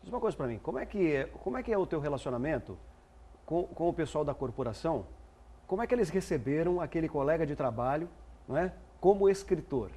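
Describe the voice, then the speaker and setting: A Brazilian man hosting a live TV talk show, reading out contact details and asking a guest questions in a brisk, chatty way. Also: fairly high pitch, animated, mellow. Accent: Brazilian Portuguese. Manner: brisk, promotional, asks questions with many fillers. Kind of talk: live TV interview.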